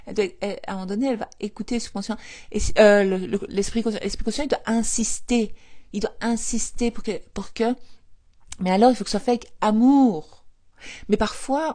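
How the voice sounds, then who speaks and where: Woman doing a chatty live stream, lively and repetitive, laughs a lot, reads out comments. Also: mid-range voice, a little fast. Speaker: manifestation coach. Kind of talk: Instagram live replay, chatty coaching.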